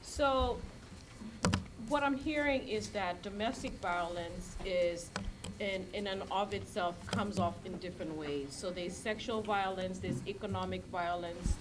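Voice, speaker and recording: A woman's voice: medium pitch, a little slow, background noise. A woman moderating a seminar panel, summarizing answers and asking probing follow-up questions. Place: seminar hall.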